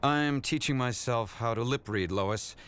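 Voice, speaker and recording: A man's voice: mid-range voice, a little slow, fairly bright tone, clear, resonant tone, natural voice. A man voicing an arrogant, aloof genius scientist in a motion comic, smug, precise and condescending. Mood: detached, smug.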